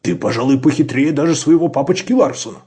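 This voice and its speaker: A man voicing a grudging male guard dog in a storybook, talking slowly and grumbling. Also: mid-range voice, lively intonation, dark tone, breathy edge. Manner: slow, grumbling. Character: gruff grudging male watchdog.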